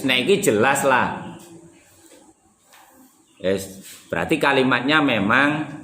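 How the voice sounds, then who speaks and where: A man's voice: mid-range voice, pushed and bright. A man with a Javanese accent teaching Arabic rhetoric, who acts out everyday exchanges to explain his points. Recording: echoey room with faint ambience.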